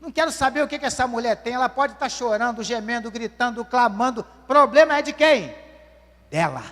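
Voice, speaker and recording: A man's voice: very high voice, animated, brisk, fairly bright tone. A man, preaching a sermon and questioning the congregation as "dear ones". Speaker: pastor. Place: church hall. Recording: long church hall reverb.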